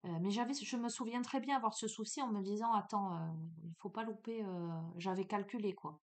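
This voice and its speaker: A woman's voice: medium pitch, a little fast. Chatty woman telling a personal story. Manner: chatty, animated, many fillers, addresses listener as tu. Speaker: spiritual guidance host.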